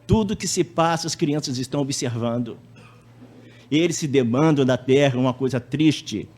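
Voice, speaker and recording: A man's voice: mid-range voice, moderate pace, a little mellow. A man giving a public lecture at a spiritist center, chatty, often tagging sentences with a question and acting out anecdotes. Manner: conversational, tag questions, acts out anecdotes.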